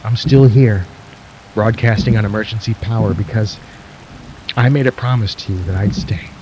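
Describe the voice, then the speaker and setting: A man playing a weary, defiant radio broadcaster at the end of the world, speaking gravely and haltingly in a radio drama. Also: on the low side, fairly even intonation, a little mellow, natural voice. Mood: grim, despairing. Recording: dull lo-fi radio sound, faint noise.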